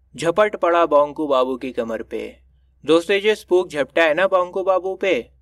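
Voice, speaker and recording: The intonation here is lively, in a plain, everyday voice. The recording is very clean, with a silent background. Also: man. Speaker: English teacher. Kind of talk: tutorial. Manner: conversational, addressing students directly.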